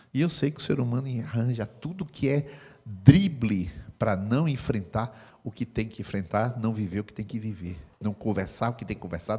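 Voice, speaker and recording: A man preaching a sermon as a pastor, with a Brazilian Portuguese accent, talking emphatically with sudden loud bursts. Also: mid-range voice, breathy edge, in a large hall.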